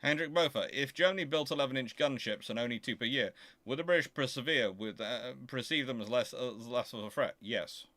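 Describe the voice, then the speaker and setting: A man hosting an informal question-and-answer show, explaining things in a halting, self-correcting way. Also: mid-range voice, bright, forceful tone, dry recording. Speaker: host of a naval history Q&A show.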